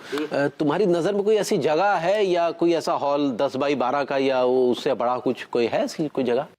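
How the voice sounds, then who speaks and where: An actor playing a pompous, impatient small-time trader. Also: male voice, on the high side, moderate pace, a little mellow, lightly acted.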